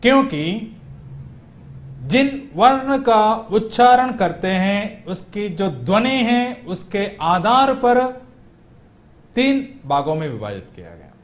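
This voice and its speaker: Male Hindi teacher, slow deliberate delivery, animated pitch, dull lo-fi recording, drills vowels aloud. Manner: asks the class questions and answers them. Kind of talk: classroom lecture for exam prep.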